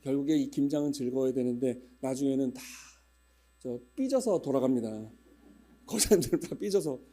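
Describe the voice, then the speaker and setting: A man's voice: medium pitch, animated, a little fast, warm tone. A man in his fifties, a pastor, chatting humorously with his congregation and telling stories before his sermon. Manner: chatty, humorous storytelling with regional dialect imitations. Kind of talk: casual church announcements before a sermon.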